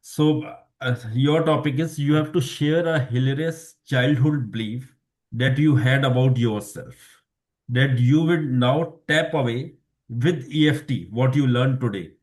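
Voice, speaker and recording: Halting man running table topics. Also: medium pitch, a little mellow. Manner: halting, searching for words, rephrasing. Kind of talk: hosting a club speaking session.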